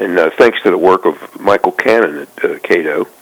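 A man speaks at a moderate pace while noticeable background noise continues. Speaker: constitutional scholar. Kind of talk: radio interview. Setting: remote call.

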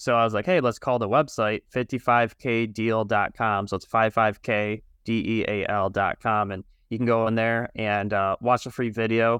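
A man speaks at a moderate pace and a medium pitch in a plain, everyday voice, with fairly even intonation. The sound is dry and close with no echo, over a quiet background. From Michigan. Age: 30s. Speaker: real estate investor. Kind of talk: interview. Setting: remote call.

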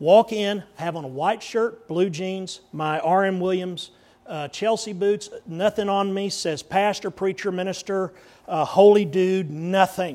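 A man's high-pitched voice, fairly slow and fairly even in intonation. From Texas. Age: 50s. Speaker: pastor. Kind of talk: sermon. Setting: church.

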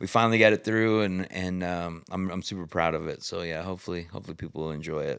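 Delivered at a very fast pace with fairly even intonation, the speech carries an American accent on a very clean recording with a silent background. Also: man, very deep, low pitch for a man. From West Texas (Paducah, near Lubbock). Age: 30s. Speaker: musician, band frontman. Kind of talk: casual chat.

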